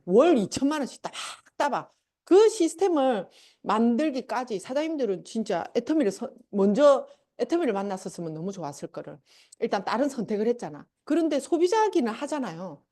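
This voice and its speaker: A middle-aged woman addresses a seminar, her voice pitched a little high and swinging widely as she tells stories. She acts out her family members as she talks, keeping the room hooked with a motivational pitch. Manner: animated storytelling, acting out family members. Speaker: seminar speaker. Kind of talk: motivational sales seminar talk.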